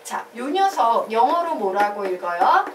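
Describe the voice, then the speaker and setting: Animated woman math teacher in echoey classroom. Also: fairly high pitch, unhurried, far from the mic, background noise. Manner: animated, asks the class questions and drills answers. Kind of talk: classroom lecture.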